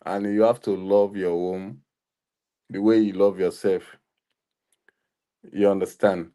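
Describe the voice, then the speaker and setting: A man from Nigeria speaking haltingly with many pauses as a panelist in a live online discussion. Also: low-pitched, little pitch movement, dark tone. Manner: halting, hesitant, many fillers. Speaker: panelist on a live audio show.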